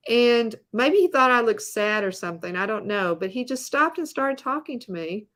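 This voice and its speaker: A woman's voice: a little high, lively intonation, normal speed, fairly bright tone. A middle-aged woman, a guest on a video call, telling stories in a rambling, casual way. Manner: rambling storyteller with many fillers and restarts. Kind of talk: casual interview chat.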